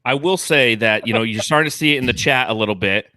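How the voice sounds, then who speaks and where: A man hosting a sports podcast, hyping up his team with playful banter and drawn-out emphasis. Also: medium pitch, bright, forceful tone, no echo. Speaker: podcast host.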